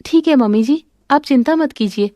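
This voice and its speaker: A woman voicing a gentle, sensible young daughter-in-law who speaks politely and calmly. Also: sits high, moderate pace, no echo, studio quality, lightly acted. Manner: polite and calm.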